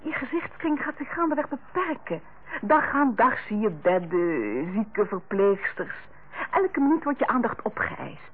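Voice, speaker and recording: A friendly, tactful housewife, hostess to her sister-in-law, speaks in a lively, husky, coaxing voice of medium pitch at a measured pace. She sounds earnest and pleading, growing hesitant when she criticises. It's old Dutch radio play acting, heard through a muffled, lo-fi old radio recording.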